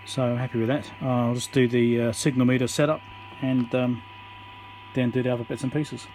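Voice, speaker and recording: An electronics repair presenter talking casually as he works at his home workbench, thinking aloud with frequent ums and pauses. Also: medium pitch, flat delivery, darkish tone, slight background noise, rough recording. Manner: thinks aloud with many ums, counts into the mic.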